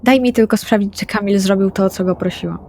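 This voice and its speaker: A woman's voice: mid-range voice, fast talker, a little mellow, a little hiss or hum, lightly acted. A woman playing an earnest, hesitant, remorseful young female vampire in an improvised roleplay audio drama. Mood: determined.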